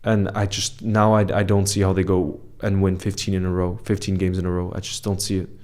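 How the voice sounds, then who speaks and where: A man's voice: sits low, monotone, fairly quick, a little mellow. A man chatting casually on a football live stream, reading viewer comments aloud and greeting people by name, often repeating himself. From mixed French and Icelandic background.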